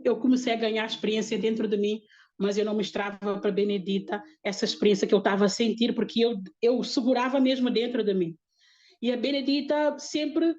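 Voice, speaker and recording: A woman speaks in a fairly high voice, telling her church testimony with earnest feeling. The recording sounds dull and lo-fi. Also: darkish tone. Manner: earnest, emotional storytelling. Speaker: missionary giving testimony. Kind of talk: religious testimony.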